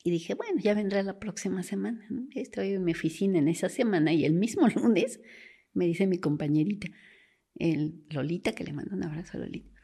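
Husky, gravelly woman doctor. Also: on the low side, fairly quick. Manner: animated, acts out quoted voices. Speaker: forensic doctor guest. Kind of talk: storytelling interview.

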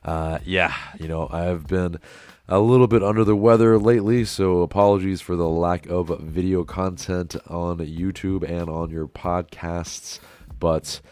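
A young man hosts his own sports podcast, hoarse and a little sick, his voice sitting very low. He talks loosely and rambles, leaning on fillers and restarting his sentences as he goes. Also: steady tone, a little slow, darkish tone, no echo. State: hoarse, sore throat. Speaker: podcast host. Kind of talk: casual solo sports podcast.

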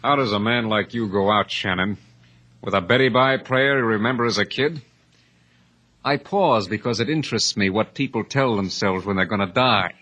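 Brooding tough-guy gangster, husky voice. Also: fairly low pitch, normal speed, pushed and bright, lo-fi sound. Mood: brooding, bitter. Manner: clipped tough-guy phrasing in present tense. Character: hardened escaped bank robber, menacing, wounded pride, brooding. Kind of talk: 1950s radio drama acting.

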